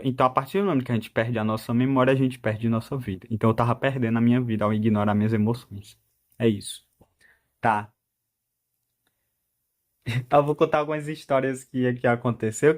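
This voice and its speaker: A man in his twenties with a Brazilian Portuguese accent, talking in a casual, rambling monologue full of restarts. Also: mid-range voice. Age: 20s. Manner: talkative and rambling, with self-interrupting restarts and frequent laughs. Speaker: vlogger.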